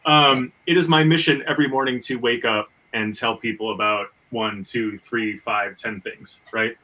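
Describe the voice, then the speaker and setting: Man, podcast host, forceful bright voice, stammering repetitions, casual swearing, slightly distant mic. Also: medium pitch, steady tone, moderate pace.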